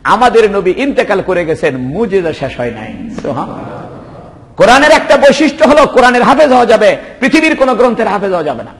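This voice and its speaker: High-pitched impassioned preacher. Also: male voice, very animated, fast, in a large hall. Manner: impassioned, rhetorical questions, repeated exclamations of praise. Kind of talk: Bengali waz sermon.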